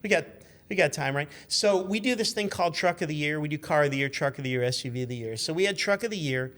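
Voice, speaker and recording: A man in his fifties chatting casually as a guest, telling animated, rambling, sweary anecdotes as a car journalist. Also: on the high side, fast. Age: 50s.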